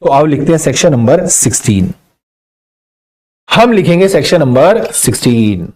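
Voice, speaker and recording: A young man teaching exam law in a lively, conversational manner, reading question text slowly and adding teasing asides. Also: a little high. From Punjabi family. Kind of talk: exam-prep lecture, mixing Hindi and English.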